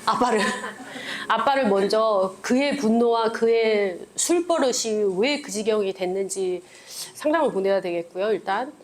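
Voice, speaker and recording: A woman's voice: mid-range voice, measured pace, hardly any pauses. Woman counselor giving chatty advice. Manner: conversational, mixes English terms into speech. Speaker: counselor answering questions on stage. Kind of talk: advice talk at a live event.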